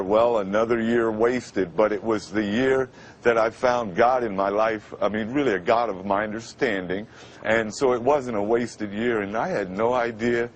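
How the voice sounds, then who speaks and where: A man in his fifties from Brooklyn, a guest on a live TV interview, speaking in a halting, emotional way with many restarts. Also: fairly low pitch, slight background noise. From Brooklyn, New York. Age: 50s.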